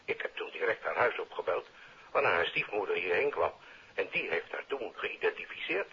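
An actor playing a brisk, dismissive senior police official on the telephone in a 1950s radio drama, authoritative, with a Netherlands Dutch accent. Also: male voice, sits low, lively intonation, husky, heavily acted. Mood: matter-of-fact. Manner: authoritative, matter-of-fact. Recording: dull old radio recording.

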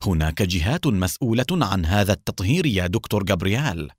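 A man reading a calm young police captain. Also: sits low, fast, breathy edge, no room sound, studio quality, heavily acted. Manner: calm, direct questioning.

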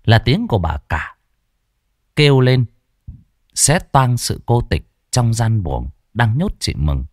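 A man narrating a ghost story in a dramatic, expressive way. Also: mid-range voice, slow, dry recording, studio quality.

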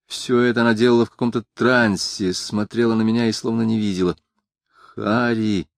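A male reader narrates a literary audiobook in a quiet, measured way. His voice sits low. The sound is close and dry, with no room echo. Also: fairly even intonation.

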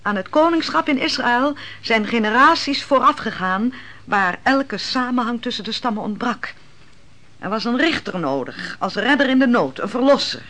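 A shrewd, measured, mocking storyteller. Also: female voice, fairly high pitch, lively intonation, fairly bright tone. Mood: solemn, didactic. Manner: measured, didactic, theatrical. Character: shrewd, mocking woman who serves wine and lectures. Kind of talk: Dutch radio play acting.

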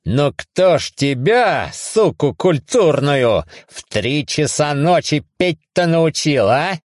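Man putting on an exasperated swearing man, raised and loud, slow drawn-out words, dry close sound. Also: a little high, lively intonation, no echo, pitched above the performer's own voice. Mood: sarcastic. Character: irritable hungover man woken at night, foul-mouthed. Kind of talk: audiobook reading.

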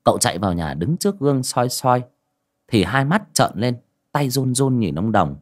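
Lively male folk-tale narrator. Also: medium pitch, normal speed. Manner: lively storytelling. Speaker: storyteller. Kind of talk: folk ghost story narration.

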